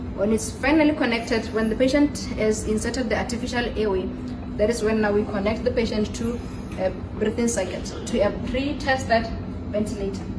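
A woman talks at a fairly quick pace. Background noise is noticeable. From Botswana. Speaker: clinical technologist. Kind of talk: tutorial. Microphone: camera far.

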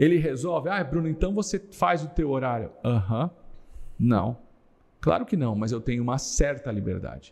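A man with vocal fry speaks at a fairly high pitch, making very wide pitch swings. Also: moderate pace. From São Paulo state, Brazil. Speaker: podcast guest or host. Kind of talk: casual conversational podcast. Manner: animated. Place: studio. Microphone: studio mic.

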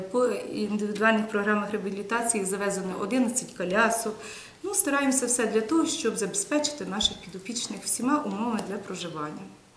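A woman's fairly high voice, ordinary pitch variation, and fairly quick pace, with audible room echo. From western Ukraine. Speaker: care home director, job candidate. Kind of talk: job interview presentation. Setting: committee meeting room. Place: meeting room. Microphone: camera far.

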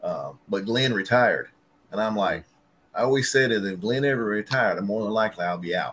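A man speaks with a Southern US accent. His intonation is fairly even and his pace fairly quick. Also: medium pitch for a man. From US South. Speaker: paintless dent repair technician; podcast guest. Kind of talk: casual chat. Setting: video call. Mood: relaxed, friendly. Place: home room.

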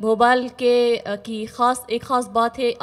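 A woman speaks with an Arabic accent at a fairly high pitch. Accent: Arabic-tinged Urdu. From Egypt. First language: Arabic (speaking Hindi). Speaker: poet and Urdu professor; poet. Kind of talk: stage address to audience. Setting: stage with audience. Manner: halting. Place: stage. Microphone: handheld.

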